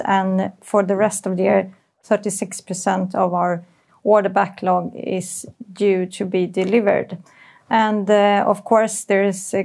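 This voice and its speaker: Creaky, even-toned Swedish-accented woman. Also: medium pitch. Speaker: chief financial officer presenting figures. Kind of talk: corporate earnings presentation.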